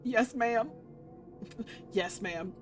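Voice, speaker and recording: A woman streamer playing a visual novel, reacting casually in a playful, slangy and expressive way. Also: a little high, extremely slow. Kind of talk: animated read-aloud with casual reactions. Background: game music.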